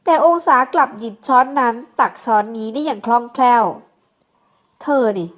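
Woman narrator, high-pitched, steady scripted reading. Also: quick pace. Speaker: audiobook narrator.

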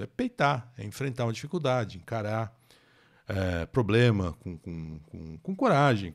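A Brazilian man teaching English in a live lesson, talking to viewers by name and repeating words for pronunciation. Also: on the low side. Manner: animated, explains slowly and repeats words for pronunciation; reads English passages slowly and deliberately. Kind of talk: live-stream language lesson.

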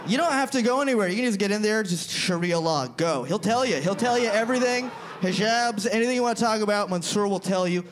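A young man from Florida doing a stand-up set on a club stage into a handheld mic, animated and quick with his punchlines, slipping into other people's voices. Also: high-pitched, slight background noise. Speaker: stand-up comedian. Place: comedy club stage before a live audience.

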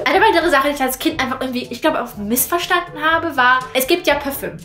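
A young woman vlogger telling funny childhood stories in a lively casual way, acting out the people she quotes. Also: sits high, fast talker. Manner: animated, acts out voices in quoted dialogue. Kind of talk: casual storytelling vlog. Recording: echoey room with faint music.

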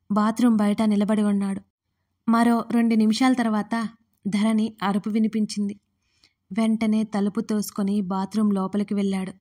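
Give me a woman reading a story aloud, steady and flat, with a warm, dark voice. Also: mid-range voice. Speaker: narrator. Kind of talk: audiobook story narration.

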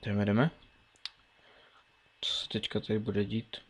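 A man's voice: lowish voice, little pitch movement, husky. A young man in his late teens casually commentating his own gameplay, mumbling and thinking aloud as he plays, with keyboard and mouse clicks behind him. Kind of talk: casual Let's Play commentary.

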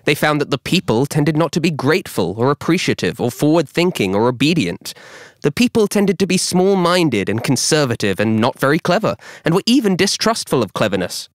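A man's voice: a little high, very animated, a little fast, no echo, clean studio sound. A man working as a professional voice actor, reading scripted narration and advert voice-overs. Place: home-studio quality recording.

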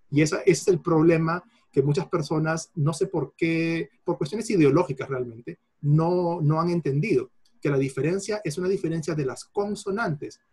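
A man's voice: on the high side, husky. A man lecturing on linguistics in Spanish, explaining with repeated examples and correcting himself mid-phrase. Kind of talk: explanatory lecture answering a participant.

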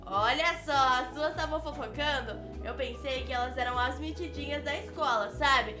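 A woman's voice: sits high, moderate pace. A woman, hosting a casual reaction video and chatting straight to her viewers. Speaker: YouTube host. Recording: roomy room, faint music behind.

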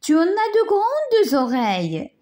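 A high, small-voiced little girl in a red hood, as a woman reading aloud puts her on, innocent and wondering. She drags out her questions slowly, as in a storybook told to children. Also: huge pitch swings, a little mellow, heavily acted.

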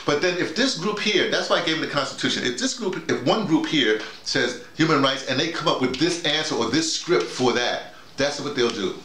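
A man's voice: fairly high pitch, lively intonation, fairly quick, fairly bright tone. A man, talking casually and emphatically, digressing and repeating his phrases. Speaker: drama workshop leader. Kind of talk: casual conversation, storytelling and explaining. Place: small indoor room with a bed. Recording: echoey room, faint noise.

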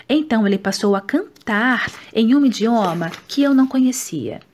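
A woman with a Brazilian Portuguese accent, reading a nonfiction book aloud in a steady, measured way. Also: on the high side. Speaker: audiobook reader. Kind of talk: scripted audiobook narration.

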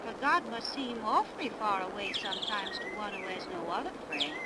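An actress playing a gentle young woman in love, earnest and tender, in 1930s radio drama style. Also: mid-range voice, big pitch swings, a little fast, lightly acted. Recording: very noisy 1930s radio broadcast recording.

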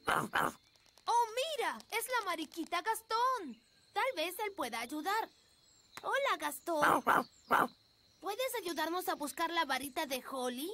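A woman's voice: extremely high pitch, big pitch swings, slow pace, pauses often, sharp tone, full character voice. A woman voicing an eager, helpful and plucky little elf boy in a children's cartoon dub. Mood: excited. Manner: earnest, boyish, plucky. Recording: prominent music behind the voice.

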